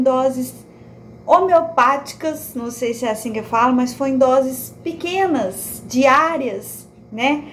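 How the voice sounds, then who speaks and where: A woman's high, animated voice at a fairly slow pace, with ordinary pitch variation and light background noise. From rural Brazil. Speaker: YouTuber, former church worker. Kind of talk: casual vlog monologue. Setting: at home on sofa. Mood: defiant, rebutting critics. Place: kitchen. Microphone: phone near.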